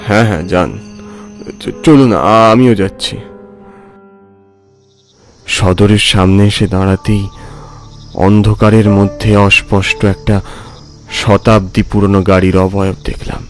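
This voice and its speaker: A man's voice: lowish voice, steady tone, soft background music. An actor playing a brooding middle-aged man who narrates a dramatic ghost story haunted by a lost first love. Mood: reluctant, hesitant. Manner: slow, brooding, theatrical.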